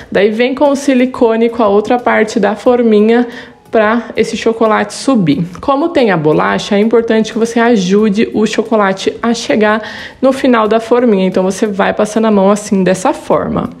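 A woman's voice: fairly high pitch, a little mellow. Chatty Brazilian woman giving a recipe. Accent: Brazilian Portuguese. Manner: friendly, chatty, repeats "tá bom?". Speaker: cooking channel host. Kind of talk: recipe tutorial with voice-over. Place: home kitchen studio for the intro.

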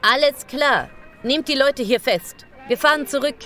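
A woman's voice: sits high, a little slow, sharp tone, faint music behind. An actress playing a hard, sardonic female police commissioner in a radio play, commanding and condescending. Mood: harsh, impatient. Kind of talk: German radio play acting. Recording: rough unfinished mix, clear street and vehicle noise.

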